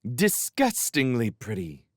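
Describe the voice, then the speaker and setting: A man's voice: medium pitch, wildly swooping pitch, takes it slowly, no room sound, clean studio sound, heavily acted. A man voicing a fierce, outraged mother scolding in an audiobook. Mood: exasperated. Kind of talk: audiobook character voice.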